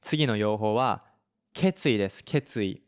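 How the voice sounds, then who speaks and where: A man hosting a language-lesson podcast, explaining word usage in a relaxed way and mixing in English examples. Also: lowish voice, slow, clean tone. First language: Japanese. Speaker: Japanese teacher, podcast host.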